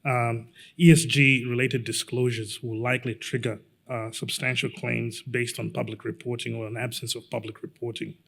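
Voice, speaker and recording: A middle-aged man from Zambia gives a lawyer's conference talk, his voice gravelly and held to a narrow, even pitch. He speaks in a measured, halting way, often pausing on fillers. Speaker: lawyer giving a conference presentation. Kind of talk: conference presentation.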